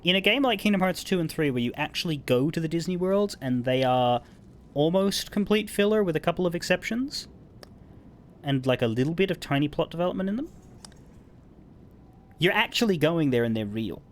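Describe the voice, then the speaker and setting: A man's voice: on the high side, animated, fairly quick. A man giving casual, analytical game commentary as a let's player, with some offhand swearing. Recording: game music behind voice.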